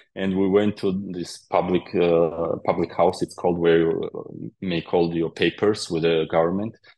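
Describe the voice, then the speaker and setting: A man talks at a moderate pace with a Georgian accent. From Georgia (country). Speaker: politician. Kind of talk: interview. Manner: halting.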